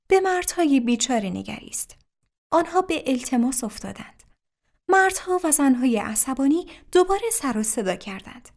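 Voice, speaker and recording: A woman narrating a religious story in an even, careful reading voice. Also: high voice.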